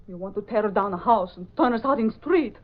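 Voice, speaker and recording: An actress playing a poor, frightened immigrant mother who speaks in broken, halting English, in a 1930s radio drama. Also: mid-range voice, lively intonation, lo-fi sound, natural voice. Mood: stubborn.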